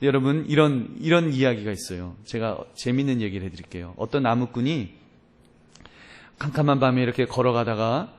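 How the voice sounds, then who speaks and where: A man's voice: medium pitch, a little fast. A male pastor preaching a sermon, addressing the congregation directly and acting out the voices in his stories. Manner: animated storytelling, acting out voices in quotes.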